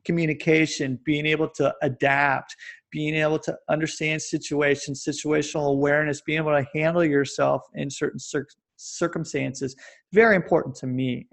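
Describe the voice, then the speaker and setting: Gravelly, higher-pitched man in his forties. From Kansas, USA. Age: 40s. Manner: rambling, self-described babbling. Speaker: podcast guest. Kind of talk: casual conversation.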